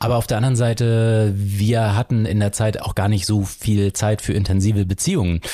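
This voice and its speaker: A man with an unremarkable speaking voice talks at a moderate pace in a fairly low pitch, with fairly even intonation, very even loudness and hardly any pauses. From northern Germany, Flensburg. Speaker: former pop musician. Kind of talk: casual interview.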